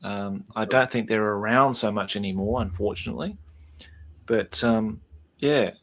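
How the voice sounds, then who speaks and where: A man's voice: fairly low pitch, normal speed, gravelly, fairly bright tone. A man in his fifties with an Australian accent, a podcast guest in casual chat, laid-back, calling people mate and trailing off into fillers. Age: 50s.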